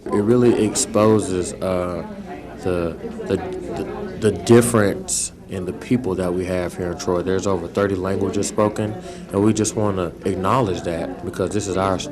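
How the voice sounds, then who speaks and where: A man with a very low voice speaks earnestly about his club. He sometimes stalls on repeated words. A crowd is clearly heard around him. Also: steady tone, normal speed. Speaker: club representative. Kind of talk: interview soundbite.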